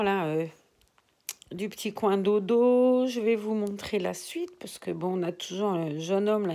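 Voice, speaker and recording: A woman's voice: mid-range voice, mellow. An older woman chatting casually to her viewers from a nursery room at home, rambling and often dropping to a whisper. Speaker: reborn doll collector vlogger.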